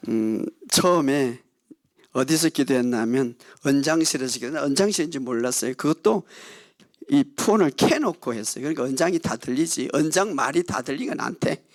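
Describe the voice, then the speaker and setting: A man's voice: mid-range voice, animated, a little fast, no echo, clean studio sound. A male pastor explaining in a plainspoken way what happened during the prayer over the phone. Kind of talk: sermon commentary.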